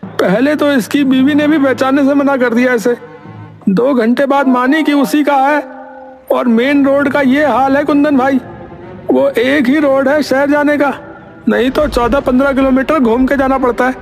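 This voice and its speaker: A man as a very high-voiced, complaining villager. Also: steady tone, normal speed, faint music behind. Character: aggrieved villager listing complaints, talkative and worried. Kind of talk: animated moral story dialogue.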